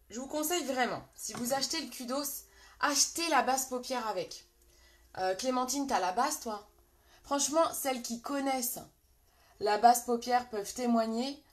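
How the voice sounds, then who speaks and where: A woman's voice: fairly high pitch, background noise. A woman with a French accent hosting a casual live makeup tutorial from her bedroom, chatting and greeting viewers by name with many fillers. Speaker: makeup seller and live host.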